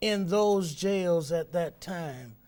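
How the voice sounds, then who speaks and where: The voice comes with a Southern US accent. The recording is very clean, with a silent background. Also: man. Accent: Southern US (Georgia). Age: 80s+. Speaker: retired university administrator. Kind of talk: TV interview. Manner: halting, repeats words.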